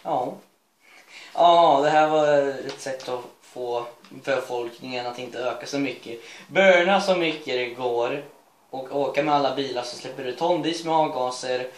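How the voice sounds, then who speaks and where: A man reading his own school story aloud, rambling with self-mocking asides and laughing at his own writing. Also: medium pitch. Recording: echoey room.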